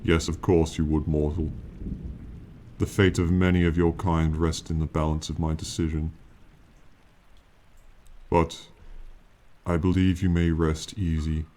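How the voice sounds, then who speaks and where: Man voicing a very deep, lofty ancient dragon. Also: little pitch movement, mellow. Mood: lofty, calm. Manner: slow, formal, lofty, archaic phrasing. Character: ancient, proud, powerful male dragon, condescending yet fond. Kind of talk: ASMR fantasy roleplay monologue.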